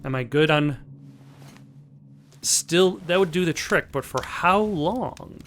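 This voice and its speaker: A man playing a video game who reads its text aloud in a plain, measured way, with casual asides. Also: a little high, animated, fairly bright tone, a little hiss or hum. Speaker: let's play host.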